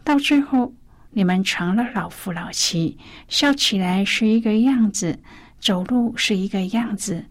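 Slow, gentle woman on Christian radio. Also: medium pitch. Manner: slow, gentle, with breathy whispered phrases. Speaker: radio program host. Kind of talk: Christian radio devotional reading.

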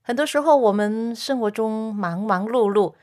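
A woman hosting a Christian radio program, telling a story softly and earnestly and speaking directly to her listeners. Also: fairly high pitch, moderate pace.

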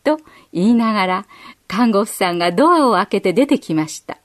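Gentle woman reading a children's story. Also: medium pitch, lively intonation, a little fast. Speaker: narrator. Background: faint music.

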